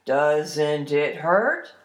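An enormous folktale troll acted out by a woman, all bluster with a timid, gullible streak underneath. The delivery is animated and raised in pitch, with roomy echo around it. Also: very slow, heavily acted. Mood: gullible amazement. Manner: threatening yells giving way to pleading. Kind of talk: folktale storytelling.

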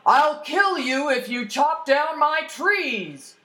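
An enormous folktale troll acted out by a woman, all bluster with a timid, gullible streak underneath. The delivery is animated and raised in pitch, with roomy echo around it. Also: takes it slowly, full character voice. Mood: menacing roar. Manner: threatening yells giving way to pleading. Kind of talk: folktale storytelling.

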